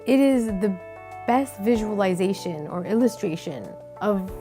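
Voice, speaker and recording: A woman's voice: mid-range voice, expressive, a little slow, music in the background. A woman in her thirties giving earnest, candid personal testimony in an interview. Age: 30s.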